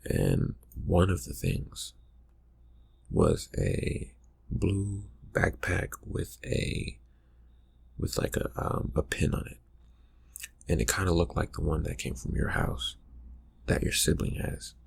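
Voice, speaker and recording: A man plays a vampire quietly threatening a friend in an ASMR roleplay. The voice is low and heavily creaky, with a breathy, husky edge. The delivery is soft, halting and insinuating, keeping the menace calm. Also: heavily acted. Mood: quietly suspicious.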